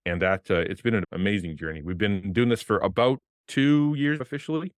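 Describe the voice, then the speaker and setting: A middle-aged man and former pastor with a deep voice, talking passionately as a guest on a video-call podcast at a desk mic. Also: fairly quick, no room sound, clean studio sound. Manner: passionate, animated, gestures with hands. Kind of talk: casual interview talk. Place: home streaming room with colored lights. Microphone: desk podcast mic on arm, headphones.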